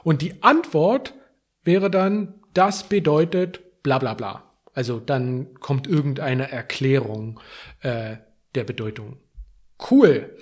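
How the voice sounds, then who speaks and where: A man hosting a language-learning podcast. He says short phrases slowly, repeats them, and explains them in English. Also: fairly high pitch. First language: German. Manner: slow, clear repetition of phrases, explaining in English. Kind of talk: slow bilingual language lesson.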